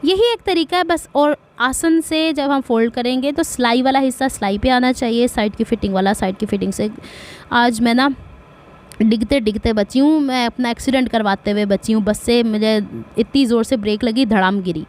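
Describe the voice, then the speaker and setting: A woman's voice: on the high side, darkish tone. A middle-aged woman from Pakistan with a Punjabi accent, giving a chatty sewing tutorial and wandering into asides and blessings. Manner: speaks slowly on purpose. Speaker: sewing vlogger.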